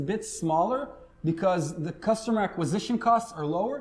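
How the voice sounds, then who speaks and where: With an American accent, the speaker talks at a fairly quick pace with ordinary pitch variation over noticeable background noise. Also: man. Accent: American-sounding. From Israel. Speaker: marketing executive. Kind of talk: conference talk. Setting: stage with audience. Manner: hesitant with fillers.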